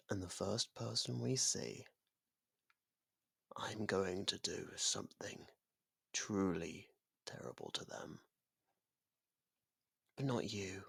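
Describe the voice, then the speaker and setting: A sadistic, bloodthirsty ancient vampire, played by an actor, speaks in a low, husky voice for an ASMR roleplay. The delivery is slow and theatrical, often slipping into a whisper. It sounds seductive, possessive and condescending. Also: a bit bright, dry recording, clean studio sound, full character voice. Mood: menacing. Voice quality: low, gravelly, breathy. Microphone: close studio microphone, dry.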